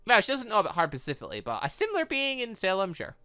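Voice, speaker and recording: A gaming host doing a visual novel let's play, reading lines aloud and rambling through off-the-cuff reactions in an animated way. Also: mid-range voice, very fast.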